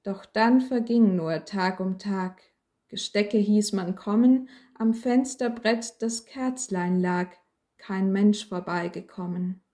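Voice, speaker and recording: A woman reading a rhyming Christmas story aloud as a storyteller, with a slow, measured, gentle recitation. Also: mid-range voice.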